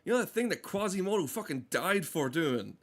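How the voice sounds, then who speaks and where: A man's voice: high-pitched, sing-song, brisk, a bit bright. A man rambling casually as a game streamer, swearing often and ranting in a mock-earnest way. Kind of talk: casual rambling livestream commentary.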